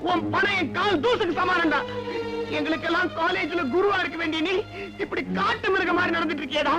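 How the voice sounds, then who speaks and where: A man's voice: very high-pitched, a little fast, low-quality recording. An actor playing a young man, an outraged and grieving elder brother, in emotional film dialogue. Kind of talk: 1980s Tamil film dialogue. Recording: film soundtrack with loud music behind.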